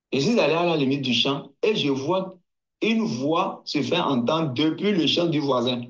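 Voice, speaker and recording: A man from Togo giving a slow personal testimony. He hesitates, restarts and repeats words as he recalls events. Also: medium pitch, highs cut off. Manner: hesitant, halting, with many restarts and repetitions.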